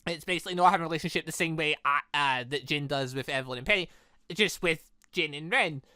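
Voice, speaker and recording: A gaming YouTuber giving animated, exclamatory commentary while playing and reading out a visual novel game, with music playing behind. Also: medium pitch, quick pace, dry recording, studio quality. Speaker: gaming YouTuber, let's player.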